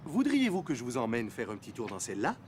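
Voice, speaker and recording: A man's voice: medium pitch, huge pitch swings, quick pace. A man playing a polite, eager car salesman with courteous sales patter in a French preschool cartoon. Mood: polite, salesy. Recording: music bed behind the voice.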